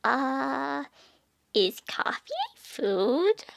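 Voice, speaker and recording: A woman's voice: high-pitched, lively intonation, drawn-out words, gravelly, dry recording, exaggerated voice. A woman playing a fretful, wry female companion on a fantasy quest in scripted audio fiction. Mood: uncertain.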